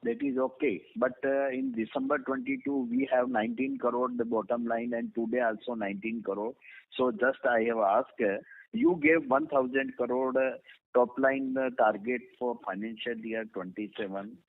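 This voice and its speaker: A man's voice: medium pitch, lively intonation, moderate pace, creaky. An Indian-accented man, an investor caller questioning management on an earnings call in an emphatic, pointed way. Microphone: phone line. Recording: tinny, narrow phone line.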